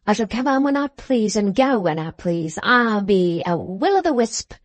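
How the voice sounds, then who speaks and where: A woman performs a wicked dwarf husband from a classic storybook. He is mocking and menacing, savouring his words in a slow, emphatic drawl. The sound is dry, with little room around it. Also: medium pitch, big pitch swings, no room sound. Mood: mocking, spiteful.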